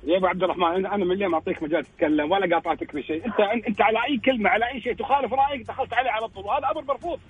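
A man's voice: sits high, very fast, hardly any pauses, phone-quality sound. A man, a sports pundit in a heated radio debate, insistent and stumbling over his words.

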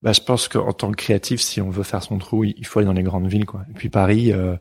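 Gravelly husky man from Belgium. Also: fairly low pitch, quick pace. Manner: relaxed, conversational questioning. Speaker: podcast host, illustrator. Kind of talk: casual interview chat.

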